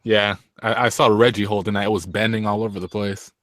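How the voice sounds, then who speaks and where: A man in a casual gaming chat, relaxed and dryly humorous. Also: fairly low pitch, a little fast, no echo.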